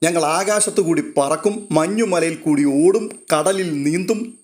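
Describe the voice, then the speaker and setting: A man's voice: a little high, a little slow, natural voice. A man voicing a drunk, lonely middle-aged father who boasts and gets emotional about his newfound daughter, in a read-aloud story. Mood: boastful.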